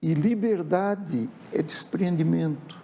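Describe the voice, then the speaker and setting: Man, warm dark tone, reflective storyteller, tag questions. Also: on the high side, takes it slowly, slight background noise. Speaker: writer and guest. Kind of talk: casual TV interview storytelling. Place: TV studio.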